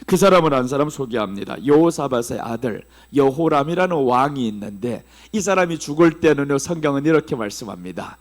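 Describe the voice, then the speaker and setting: A middle-aged man with a Seoul Korean accent preaching a sermon as pastor, swinging between hushed low phrases and raised emphatic ones. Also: lively intonation, brisk, hardly any pauses.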